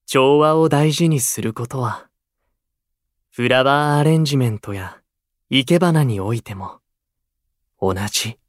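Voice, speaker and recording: A man playing a quiet, dreamy young idol in a voice drama, speaking in soft, sparse, halting phrases. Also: medium pitch, no room sound, clean studio sound, lightly acted. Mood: serene. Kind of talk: anime-style voice drama acting. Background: music.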